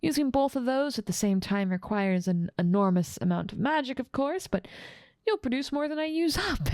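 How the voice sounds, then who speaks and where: A cold, scheming evil witch, played by a woman in an ASMR roleplay, smug and condescending toward her captive. Her mid-pitched voice has a gravelly edge of vocal fry and often sinks into a soft whisper. It sits close and completely dry on the mic. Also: no echo. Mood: gleeful.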